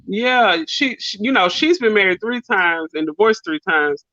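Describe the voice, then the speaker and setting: A woman in her late thirties joins a live chat as a guest and talks openly about her family. Her voice is bright, but the audio sounds dull and lo-fi. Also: medium pitch, expressive, unhurried. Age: 30s. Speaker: livestream guest. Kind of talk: casual chat.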